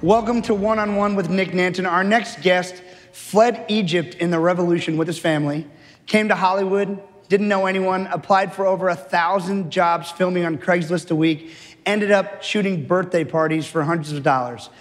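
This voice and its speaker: Brisk male host, higher voice. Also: fairly even intonation, big-room sound. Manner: brisk, upbeat introductions. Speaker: show host. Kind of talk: interview hosting.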